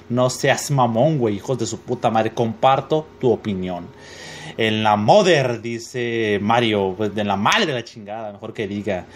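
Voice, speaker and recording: A young Mexican-accented man reads comments off his screen, cursing and joking between them at a mid-range pitch. It sounds like a home desk mic with a faint hiss underneath. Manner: profane, joking, reads comments aloud with laughs. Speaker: gaming youtuber reading comments. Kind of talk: casual screen-reading commentary.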